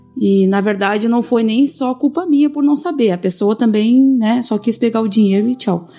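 A woman with a southern Brazilian accent, fairly high-pitched, at a moderate pace with hardly any pauses, music playing behind her. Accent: southern Brazilian (gaúcho) Portuguese. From Rio Grande do Sul, Brazil (Triunfo, near Porto Alegre). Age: 30s. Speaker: blind musician. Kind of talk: interview. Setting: call.

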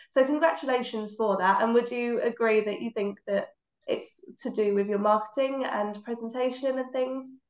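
A woman speaks at a moderate pace with a high pitch and ordinary pitch variation. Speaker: podcast host. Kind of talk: interview. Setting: video call. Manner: giggly.

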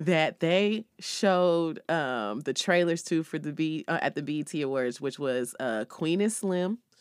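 On a very clean recording with a silent background and a dry, close sound with no echo, a woman speaks in a very deep, low pitch at a fairly slow pace, with hardly any pauses. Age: 30s. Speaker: podcast host. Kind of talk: casual chat.

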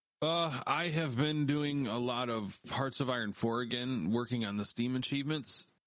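Hardly pausing, a man talks in a normal speaking voice at a medium pitch with ordinary pitch variation. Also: moderate pace. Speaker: podcast co-host. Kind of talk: casual banter.

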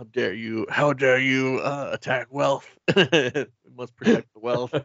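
Putting on a raspy character voice, a man speaks at a medium pitch and a fairly slow pace. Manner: yelling, pompous.

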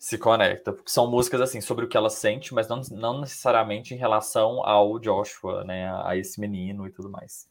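In a very clean recording with a silent background, a man with an unremarkable speaking voice and medium pitch talks at a fairly quick pace with hardly any pauses, big swings in loudness and ordinary pitch variation. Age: 20s. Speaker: journalist and pop culture commentator. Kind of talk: casual chat.

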